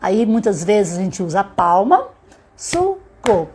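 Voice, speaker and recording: In a live online lesson for mothers, a Brazilian Portuguese-accented woman teaching literacy speaks to them directly, slowly pronouncing words syllable by syllable. She uses a medium pitch and an expressive delivery, and her voice is husky with a darkish tone.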